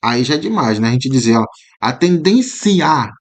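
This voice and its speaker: A Brazilian man with a Brazilian Portuguese accent, a teacher going through exam questions, often checking in with "né?" and repeating words slowly to show how they sound. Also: medium pitch, animated. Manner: explanatory, frequent "né?" tags, repeats words slowly to model pronunciation. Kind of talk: commented exam walkthrough.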